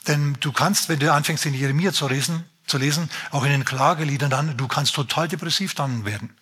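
A man's voice: a little high, brisk, a bit bright, slightly rough. A man preaching a sermon as pastor, emphatic and speaking straight to his listeners.

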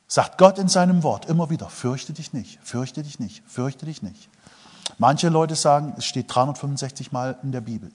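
A man preaching a sermon, swinging between quiet asides and loud emphasis, joking with and questioning the congregation. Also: mid-range voice, slightly rough. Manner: jokes with the congregation, asks them questions. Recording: long hall reverb.

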